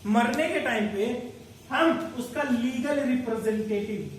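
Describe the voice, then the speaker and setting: A man's voice: very high-pitched, a little slow. A man teaching an accounting lecture, explaining step by step and calling his students "beta". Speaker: commerce teacher. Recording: very echoey room, distant mic, faint noise.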